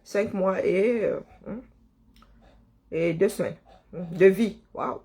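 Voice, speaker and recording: Livestream host, husky, loose rambling chat with viewers. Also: medium pitch, takes it slowly, mellow. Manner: rambling, chuckling, stumbling over words. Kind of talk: casual live chat greeting viewers.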